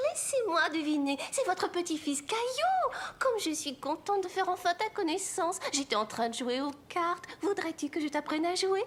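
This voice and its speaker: An actress playing a friendly, doting old lady in a children's cartoon, sweet, coaxing and expressive. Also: very high voice, slight background noise, exaggerated voice. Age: older.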